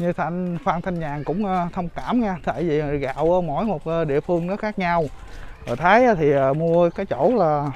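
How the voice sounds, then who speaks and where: In a dry recording with no echo, a man talks fairly slowly in a high voice. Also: ordinary pitch variation. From Mekong Delta, An Giang; Vietnam. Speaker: charity vlogger; charity volunteer vlogger. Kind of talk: vlog narration. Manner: casual, halting with fillers. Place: street.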